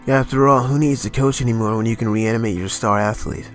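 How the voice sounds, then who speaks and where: Guy playing a quick-witted hero's ally, casual, curious, concerned, radio drama, music behind. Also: mid-range voice, steady tone, lightly acted. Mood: inquisitive. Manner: informal, inquisitive. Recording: music under the voice.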